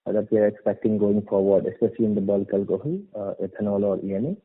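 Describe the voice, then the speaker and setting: A man asking questions in a halting way as an individual investor on an earnings call. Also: on the low side, fairly even intonation. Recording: narrow phone line.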